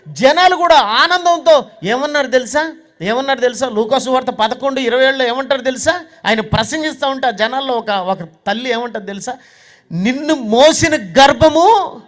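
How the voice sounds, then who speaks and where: A man's voice: very high-pitched, a bit bright. A man with a Telugu accent preaching an emotional sermon, telling stories with acted-out voices and repeated rhetorical questions. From Andhra Pradesh, India. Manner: dramatic storytelling, acting out quoted voices, repeated rhetorical questions.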